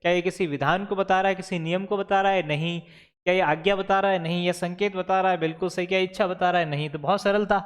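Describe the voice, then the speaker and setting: A male teacher with a high, smooth, resonant voice explains exam answers one by one. He poses questions to his students and answers them himself, in a patient lecturing way. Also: steady tone, fast. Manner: explains step by step, asks and answers own questions.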